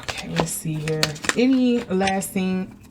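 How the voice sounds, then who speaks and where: A woman's voice: fairly low pitch, expressive, takes it slowly, noisy background. A woman giving a casual tarot reading to camera, chatty and meandering, with many fillers and restarts. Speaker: tarot reader.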